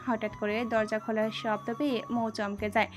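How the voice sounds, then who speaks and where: A woman narrates a dramatic story steadily, with a fairly high voice. Soft music plays quietly behind her. The reading sounds scripted and even. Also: moderate pace.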